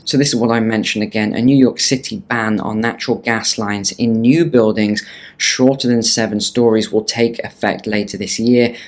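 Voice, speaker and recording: Male video presenter, lower register, chatty and wry explainer style on current news, small-room acoustics. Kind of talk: casual explanatory news commentary to camera. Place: small room in a beach bungalow.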